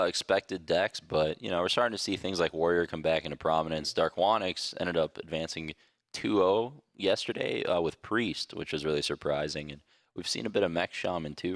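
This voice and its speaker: A man giving esports desk analysis in a relaxed, hesitant way, with many pauses and fillers. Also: low voice, gravelly, no room sound, studio quality.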